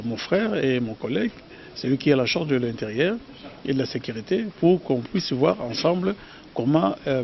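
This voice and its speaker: A man's voice: medium pitch, slight background noise. Earnest Congolese man giving a statement. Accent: Congolese French. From Kongo Central, DR Congo. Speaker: official. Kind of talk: press statement. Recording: dull lo-fi news audio.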